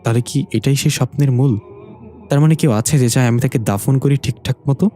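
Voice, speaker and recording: An earnest, anxious young fairy woman, as a male storyteller puts her on in his own mellow voice. She sounds warm and a little raised in pitch, with faint music behind her. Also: fairly quick, close to an everyday voice. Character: worried young fairy woman, caring daughter.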